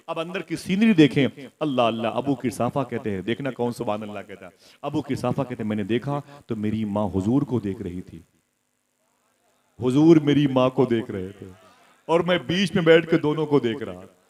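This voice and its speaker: A man preacher giving a devotional sermon. He tells a story with feeling, repeats phrases for emphasis and chants lines of verse. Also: mid-range voice.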